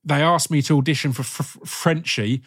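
A man's voice: on the high side, brisk, a bit bright. A man with a stammer who repeats sounds and words, talking casually and earnestly as an actor hosting an interview.

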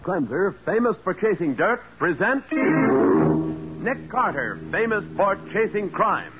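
A man's voice: high voice, sing-song, takes it slowly. An American man announcing and narrating in emphatic, theatrical 1940s radio style. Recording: muffled 1940s radio recording, loud music.

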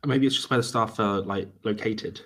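A man's voice: fairly low pitch, normal speed, fairly bright tone. A man co-hosting a podcast, teasing his partner with wry quips. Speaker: podcast co-host. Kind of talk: casual chat.

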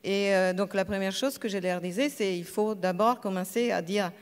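A woman professor talks on a conference panel with a smooth, clear voice. She hesitates often and fills gaps with filler sounds. Her voice carries through a long, echoing hall reverb. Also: medium pitch, fairly even intonation, moderate pace. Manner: hesitant, many filler sounds, searching for words. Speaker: energy economics professor, panelist. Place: lecture hall at a school.

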